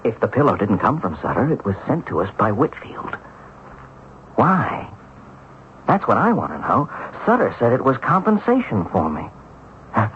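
An actor playing an earnest, halting ex-bank teller in a 1970s radio drama. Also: male voice, medium pitch, wildly swooping pitch. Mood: excited, puzzled. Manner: hesitant, halting. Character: earnest ex-bank teller turned schoolteacher husband, hesitant, puzzled. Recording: dull, hissy 1970s radio broadcast.

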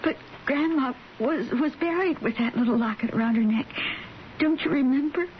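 A woman's voice: high voice, moderate pace, close to an everyday voice. An actress playing a devoted, tender daughter at her mother's sickbed in a radio drama, earnest and emotional. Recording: muffled, hissy radio broadcast.

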